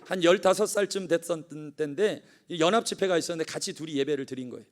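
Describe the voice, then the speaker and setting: A middle-aged man preaching a sermon as pastor, telling a personal story and moving from hushed asides to fervent calls. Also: on the high side, fast.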